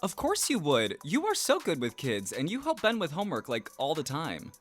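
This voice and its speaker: Low-voiced, swooping, easygoing female friend. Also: huge pitch swings, moderate pace, soft background music. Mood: reassuring. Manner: casual, reassuring. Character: supportive, teasing, easygoing adult friend. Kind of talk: naturalistic audio drama acting.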